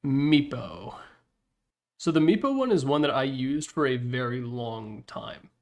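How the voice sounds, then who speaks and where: A man's voice: medium pitch, big pitch swings, a little slow. A man giving casual, rambling ranking commentary in a blunt, sweary, candid manner, recorded in his room on a desktop microphone. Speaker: host ranking game announcer packs. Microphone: Yeti desktop microphone.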